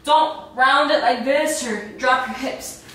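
Young female fitness instructor, bright casual delivery explaining moves, distant mic with heavy room echo. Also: high-pitched, slow. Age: young adult. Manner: informal, explanatory. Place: bare white indoor room. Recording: echoey room, distant mic, faint noise.

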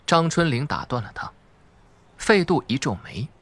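A man's voice: a little high, very animated, moderate pace, a bit bright. A man narrating suspense fiction from a script in a dramatic audiobook style.

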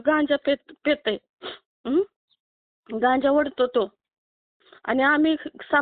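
A woman's voice: high voice, no echo. A woman from Maharashtra calling over the phone to ask for help, pleading and upset, often ending her points with a questioning tag. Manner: pleading, tearful, keeps adding questioning tags. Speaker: caller asking for help. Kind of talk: phone call complaint. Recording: tinny dry phone line.

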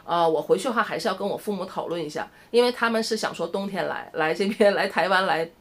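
A middle-aged woman from Shenyang talks quickly in a Northeastern Mandarin accent. She chats to camera as a vlogger and tells her story animatedly, tagging her phrases as she goes. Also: lowish voice. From Shenyang, northeast China. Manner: chatty, animated storytelling with lots of "哈" tags. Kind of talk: casual chat to camera.

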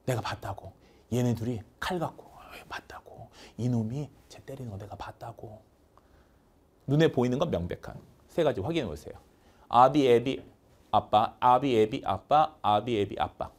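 A man teaching English vocabulary in a lively lecture, chanting word lists over and over and acting out little skits. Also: medium pitch, normal speed.

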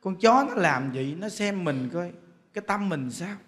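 A man's voice: high voice, animated, moderate pace, fairly bright tone. A man with a Southern Vietnamese accent, a Buddhist monk giving a humorous storytelling sermon. He jokes, chats and repeats words as he builds a point.

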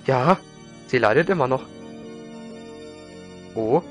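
Low-voiced man with a slight cold, gaming commentary. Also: expressive, slow. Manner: informal, rambling, repeats words. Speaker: let's play host. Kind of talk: casual video game commentary. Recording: game music behind. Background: video game music.

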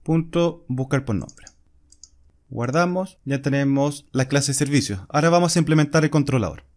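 A man's voice: medium pitch, moderate pace, a little mellow. A man, explaining a coding screencast step by step while he types. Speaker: programming instructor. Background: keyboard typing and clicks.

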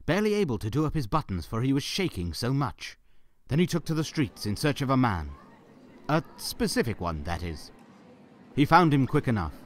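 A man's voice: mid-range voice, natural voice. A man narrating a Christmas audio drama as a wry, theatrical storyteller.

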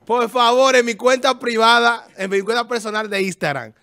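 A man hosting a casual gossip chat, animated and stammering. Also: extremely high pitch, normal speed.

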